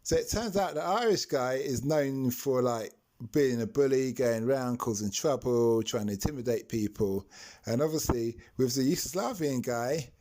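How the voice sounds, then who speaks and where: A man's voice: medium pitch, moderate pace, warm tone. A man, a taxi driver and podcast host, telling a story in a chatty way and laughing as he goes. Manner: chatty, laughs through his stories. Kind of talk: anecdotal storytelling.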